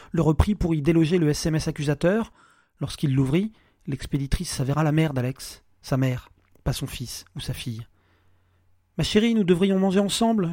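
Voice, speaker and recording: A man reading a dark short story aloud in a measured, dramatic way. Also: fairly high pitch, dry recording, studio quality. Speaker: narrator.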